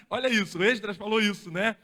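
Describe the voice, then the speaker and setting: A man with a Brazilian Portuguese accent preaching a sermon as pastor, emphatic, slowing to stress scripture lines and dropping low for asides. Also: pushed and bright, big-room sound. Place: church hall.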